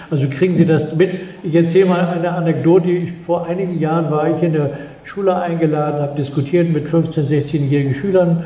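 There is audible room echo around a man's fairly high voice. His intonation stays fairly even. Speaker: event moderator. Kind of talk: formal welcome and moderation. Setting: stage with audience. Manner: formal. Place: stage.

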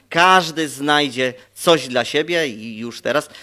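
A man speaks against a quiet background. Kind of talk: interview answer. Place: shop. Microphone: handheld.

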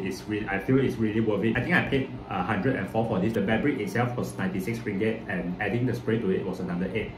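A man speaks at a fairly quick pace in a fairly low voice with ordinary pitch variation, over noticeable background noise. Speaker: vlogger. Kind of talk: casual vlog chat. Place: home room. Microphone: phone near.

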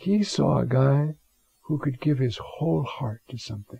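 A man's dark, mellow, somewhat breathy voice at a fairly slow pace with ordinary pitch variation, over a quiet background. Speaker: priest. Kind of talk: scripture reflection talk. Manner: halting, with frequent fillers; conversational. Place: home room.

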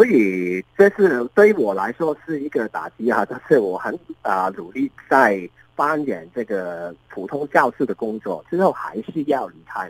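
A man at a fairly slow pace, with very wide pitch swings and big swings in loudness, in a dry sound with no echo. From Hong Kong. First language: Cantonese (speaking Chinese). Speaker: former secondary school teacher; former teacher telling his story. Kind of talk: interview. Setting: remote call. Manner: halting. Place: hall. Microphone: handheld.

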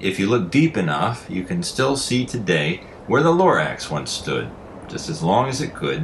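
The clip is a plain read-aloud passage.

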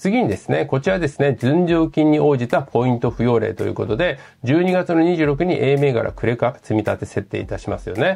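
Talking at a fairly quick pace with hardly any pauses, a man with fairly high pitch has a dark, mellow tone and lively intonation. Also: quiet background. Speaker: personal finance YouTuber. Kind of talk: tutorial explainer monologue. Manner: friendly, polite, filler-heavy.

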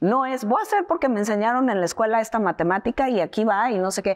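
A woman with a fairly high pitch speaks against a quiet background. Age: 30s. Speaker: bodybuilder and entrepreneur; podcast guest. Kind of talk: interview. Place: studio. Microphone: lapel.

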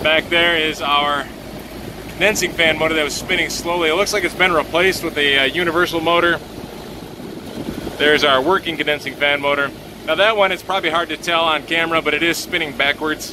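A fairly quick pace, a dry sound with no echo, and noticeable background noise. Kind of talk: tutorial. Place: open country. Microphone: phone near.

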